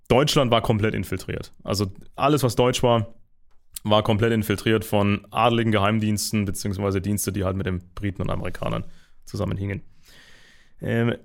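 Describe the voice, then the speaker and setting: A man with a fairly low voice holds forth in an unscripted monologue. He rambles, restarts sentences and fills pauses with hesitations as he goes. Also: vocal fry. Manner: rambling, many fillers and restarts. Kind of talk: casual monologue.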